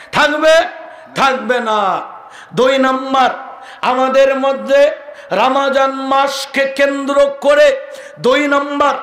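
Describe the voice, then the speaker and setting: A male preacher giving an impassioned sermon. He keeps asking the crowd questions and raises his voice to a shout. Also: extremely high pitch. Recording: echoey hall.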